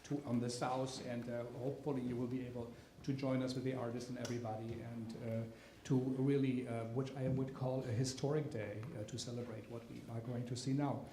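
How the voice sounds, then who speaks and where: A man giving welcome remarks to a live audience as the event organizer, halting and full of "uh" and "um" as he talks. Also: medium pitch, little pitch movement, dark tone. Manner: halting, with many fillers and restarts. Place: theater auditorium at a live event. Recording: roomy hall sound with faint noise.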